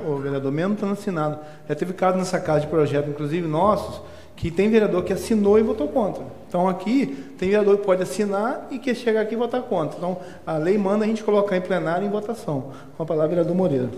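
A man chairing a city council session, brisk and procedural. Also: high-pitched, darkish tone. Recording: echoey hall, faint room noise.

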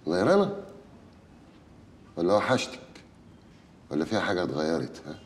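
A brazen, womanizing Egyptian husband in a film drama. He speaks in a low voice with lively swings of pitch, taunting and cynical, and faint music runs underneath. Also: brisk, in a large hall. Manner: taunting, brazen, then placating. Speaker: unfaithful husband.

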